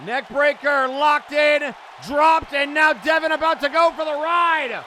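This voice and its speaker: A man giving live play-by-play wrestling commentary with excited, exclamatory calls. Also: very high-pitched, measured pace. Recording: noisy event audio with loud crowd. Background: crowd and arena noise.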